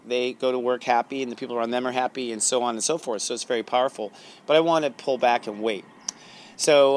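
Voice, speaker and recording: A man's voice: medium pitch, slight background noise. A man hosting his own astrology show, telling a rambling personal story with many fillers and restarts. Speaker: astrology host and psychic reader. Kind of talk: casual storytelling monologue. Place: outdoors, plane heard overhead.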